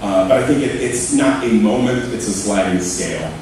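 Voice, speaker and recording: A man's voice: lowish voice, normal speed, a little mellow. A man moderating a live panel on a stage, speaking into a handheld mic in a rambling, friendly, self-deprecating way. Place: stage in a large auditorium. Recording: echoey hall, distant mic, noisy.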